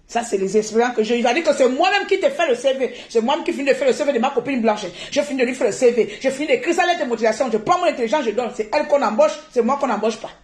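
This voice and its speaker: A woman from Gabon, talking on a live stream in an animated, indignant way and laughing often. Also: sits high, racing, few pauses, echoey room.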